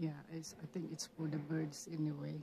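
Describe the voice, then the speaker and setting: A somewhat breathy voice, dry with no echo, over light background noise. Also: woman. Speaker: holiday vlogger. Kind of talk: casual vlog chat. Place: garden. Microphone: phone near.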